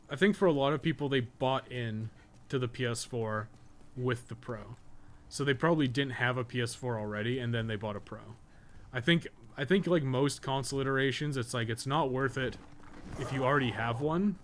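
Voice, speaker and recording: A male streamer talks casually while he plays, in an average-pitched voice. He rambles bluntly and swears freely, with faint noise behind him. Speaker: game streamer and podcast host. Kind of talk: casual live game stream chat.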